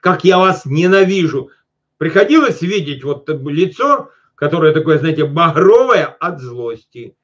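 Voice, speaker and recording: A male preacher with a fairly high voice, caught on a dull, lo-fi recording. He reads scripture slowly, stops to speak straight to his listeners, then rushes on in quick everyday asides. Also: lively intonation. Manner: often addresses listeners directly. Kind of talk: sermon.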